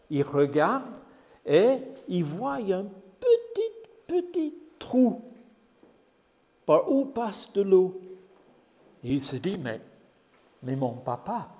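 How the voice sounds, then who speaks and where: An older man with an English accent, a guest preacher telling a gentle story to children in church. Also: sits high. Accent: English-speaking. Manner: gentle, slow and lively storytelling. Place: church hall. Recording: church hall reverb, faint noise.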